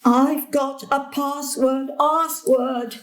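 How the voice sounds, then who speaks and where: A woman's voice: sits high, fairly even intonation, very slow. An actress playing a confused, jittery elderly grandmother in a drama, fretful and easily spooked. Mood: muddled. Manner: fretful, slightly muddled. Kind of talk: drama acting.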